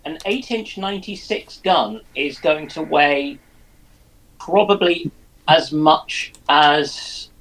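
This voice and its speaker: A man with a slightly raised pitch chats casually on a live stream. He thinks aloud through his points and drops in jokes, with keyboard typing heard in the background. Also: expressive, slow pace, fairly bright tone, poor audio.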